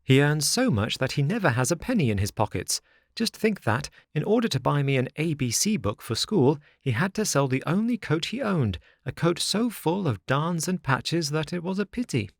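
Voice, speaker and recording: A man's voice: a little high, very animated, moderate pace, gravelly, dry recording, studio quality, pitched above the performer's own voice, full character voice. A man putting on an eager wooden puppet boy.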